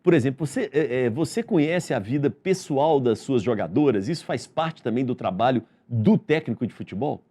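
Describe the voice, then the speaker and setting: Mellow-voiced talk show host. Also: male voice, mid-range voice, expressive, moderate pace, few pauses. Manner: brief affirming interjections, guiding questions. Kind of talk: studio interview.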